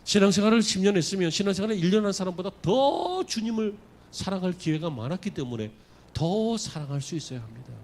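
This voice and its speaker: Male pastor preaching, slightly high voice, very lively intonation, questions to the congregation. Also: fast talker. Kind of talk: sermon. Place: church sanctuary.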